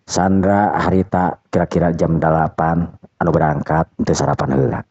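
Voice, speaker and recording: A man's voice: low voice, fairly even intonation, normal speed, darkish tone, no room sound. A man narrating a folk tale, rambling and correcting himself as he goes. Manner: rambling, self-correcting storytelling. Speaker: storyteller. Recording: dull dry lo-fi recording.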